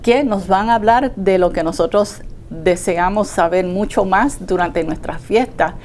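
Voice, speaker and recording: A woman's voice: medium pitch, measured pace, darkish tone. A woman from Puerto Rico with a Puerto Rican accent hosts a local TV interview. She keeps it conversational and slips English fillers into her Spanish. A faint hiss sits behind her voice. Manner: chatty, mixes in English fillers. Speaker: TV show host. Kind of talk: community TV interview.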